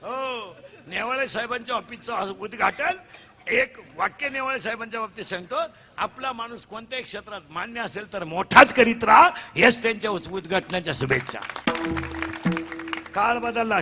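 A man preaching a comic kirtan sermon, telling stories and acting out the characters' voices, and shouting the punchlines. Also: high voice, normal speed, soft background music.

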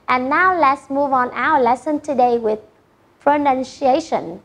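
High-voiced Vietnamese woman teaching English. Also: slow pace, fairly bright tone. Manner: repeats each phrase twice, switching between English and Vietnamese. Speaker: primary school English teacher. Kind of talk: bilingual classroom teaching.

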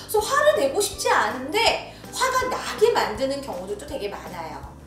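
Lively, high-pitched woman teacher for children. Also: normal speed. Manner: animated, acts out quoted voices. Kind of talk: lesson video for young children. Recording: echoey room from far off with music.

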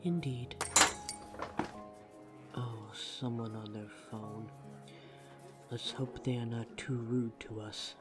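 Vampire barista, acted by a man, audio roleplay, medium pitch, courteous, dryly snide, prominent background music. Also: fairly even intonation, slow pace, long pauses, natural voice. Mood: wry, courteous. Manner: polite, dry, teasing. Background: music behind the voice.

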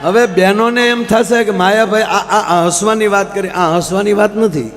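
On a large live stage program, a man performing as a folk comedian tells folksy, humorous stories, often calling the audience "sir." His voice sits high with fairly even intonation at a moderate pace. A faint crowd, faint mains hum, and the reverberant hall can be heard.

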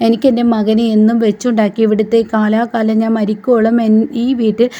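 A woman voicing a humble, grieving middle-aged birth mother who pleads softly, on a dull lo-fi recording. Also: a little high, little pitch movement, fairly quick, close to an everyday voice. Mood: pleading.

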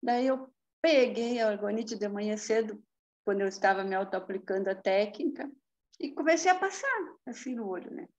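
A woman's voice: mid-range voice, expressive, normal speed, darkish tone, highs cut off, slight background noise. A woman tells a testimonial story in a chatty way, laughing often and adding tag questions, over a video call. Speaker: therapy practitioner giving a testimonial.

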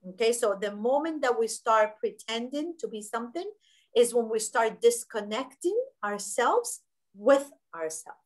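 A woman in her thirties talks on a webinar panel over a laptop webcam. Her voice sits a little high, and she speaks emphatically, with fillers and restarts. The sound comes from a small home office. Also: animated, unhurried. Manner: emphatic, gestures with hands, frequent fillers and restarts. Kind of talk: conversational panel discussion. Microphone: laptop webcam video call.

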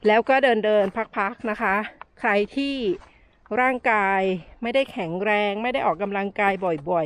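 A middle-aged woman chatting through hiking tips as she walks a sunny desert canyon trail, filming herself at arm's length, a little out of breath. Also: medium pitch. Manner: chatty, friendly tips with soft sentence-final particles. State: slightly out of breath while hiking. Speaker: travel vlogger. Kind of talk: casual walk-and-talk vlog. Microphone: handheld camera at arm's length.

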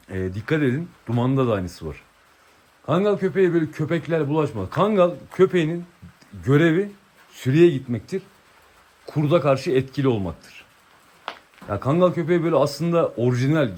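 Lively, fairly high-voiced man vlogging. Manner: coaxing and affectionate with his dog, then explaining. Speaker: vlogger with his dogs. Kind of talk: casual vlog chat to viewers.

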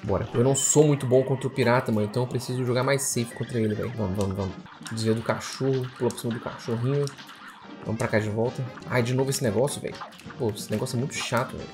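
A man with a Brazilian Portuguese accent talks through a video game run, quick and excitable. He fires off repeated exclamations in bursts. Soft game music plays under his voice. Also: medium pitch. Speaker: gamer. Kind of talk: let's play commentary.

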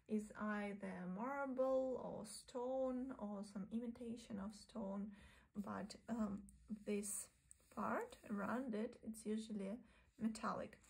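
Breathy, slow-talking woman sketching teacher. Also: on the high side, low-quality recording. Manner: calm, often half-whispered narration while drawing. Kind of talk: soft-spoken drawing tutorial. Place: indoors at a desk, overhead camera on the sketchbook.

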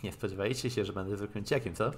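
A man with a fairly low voice streams a visual novel. He reads the lines aloud haltingly, mixing in offhand commentary, with game music playing behind him.

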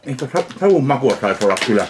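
A middle-aged man from Finland giving casual food tasting commentary to camera in a home kitchen, talking in an unhurried way with pauses as he eats. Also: mid-range voice, sing-song. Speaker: food review vlogger. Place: small home kitchen, indoors. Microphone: camera a short distance away. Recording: clear background noise, handling clicks.

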